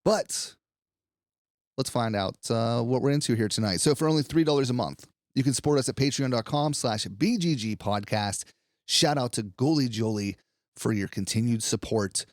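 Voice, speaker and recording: A man's voice: mid-range voice, normal speed, no echo, studio quality. A man hosting a horror podcast in casual chat, upbeat, laughing often and swearing freely. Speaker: podcast host.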